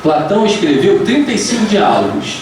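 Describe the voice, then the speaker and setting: A fairly high-voiced Brazilian man gives a chatty, joking public talk and keeps putting questions to the audience. He sounds set back from the microphone in a very echoey hall, with noise audible behind him. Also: big pitch swings, a little fast, a little mellow, distant mic. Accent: Brazilian Portuguese. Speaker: lecturer at a spiritist center. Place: lecture hall of a spiritist center, indoors.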